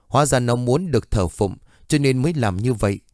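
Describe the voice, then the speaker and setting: A man's voice: mid-range voice, animated, a little fast, darkish tone, dry recording, studio quality, natural voice. A man reading a story and voicing a woman psychic who leads a team and talks in a persuasive, exclamatory way. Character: smooth-talking woman psychic leading a team.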